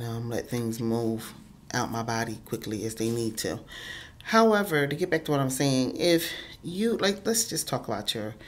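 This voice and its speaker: A woman's voice: rumbling low, slight background noise. A woman vlogger talking earnestly into her phone, stuffy-nosed and congested, with lots of ums and repeated words. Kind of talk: casual motivational talk to camera.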